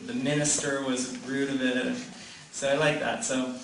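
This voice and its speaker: Guy telling his story to a group, lots of "like" and restarts, mid pitch, noisy background. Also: level tone, normal speed, creaky, fairly bright tone. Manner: rambling, many restarts and fillers, laughs often. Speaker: gathering participant sharing a story. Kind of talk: casual personal testimony. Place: gathering in a room. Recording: echoey room, mic far off, background noise.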